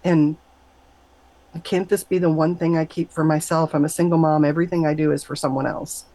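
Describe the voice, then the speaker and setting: A woman's voice: flat delivery, fairly quick, dark tone, dry recording, low-quality recording. A middle-aged woman, a guest on an interview show, telling her personal story in an earnest, conversational way. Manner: earnest, acts out quoted voices with high pitch jumps. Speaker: guest sharing a near-death story.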